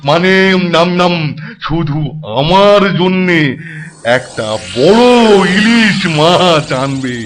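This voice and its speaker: High-pitched gluttonous cartoon superintendent. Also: male voice, drawn-out words, noisy background. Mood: urgent, wheedling. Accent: West Bengal Bengali. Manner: humming, babbling, repeating words greedily. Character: gluttonous, excitable middle-aged male hostel superintendent. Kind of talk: exaggerated Bengali cartoon voice acting.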